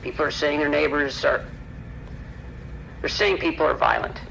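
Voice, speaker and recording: Male actor as weary county deputy, horror audio drama, forceful bright edge, gravelly fry, terse, grim, muffled dispatch radio. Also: fairly high pitch, moderate pace, full character voice. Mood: grim, confiding. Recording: muffled police radio with faint noise.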